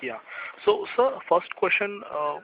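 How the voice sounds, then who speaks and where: A man's voice: high-pitched, lively intonation, unhurried, vocal fry, slight background noise. A man calls into a conference call, his voice squeezed thin through a tinny phone line that keeps breaking up. He asks long, winding questions and adds a polite "sir" again and again. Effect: muffled conference-call phone line. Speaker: analyst asking questions on an earnings call. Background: background disturbance on the line.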